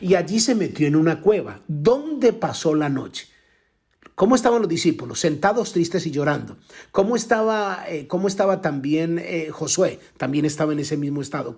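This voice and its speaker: An older male pastor delivering a devotional sermon, with impassioned preaching that breaks into sudden high, drawn-out cries. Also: creaky, a little mellow, slightly rough.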